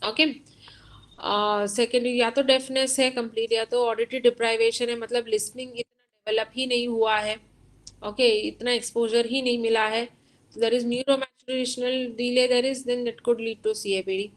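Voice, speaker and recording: A woman with an Indian accent lectures at an unhurried, deliberate pace, her voice sitting somewhat high. She explains each point patiently and moves freely between Hindi and English as she teaches. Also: flat delivery, rough recording. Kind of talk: online lecture.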